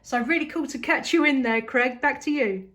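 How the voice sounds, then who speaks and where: A woman's voice: sits high, normal speed, noisy background. A woman with a southern English accent, chatting casually and appreciatively as an amateur radio operator. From southeast England. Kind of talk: casual radio contact chat.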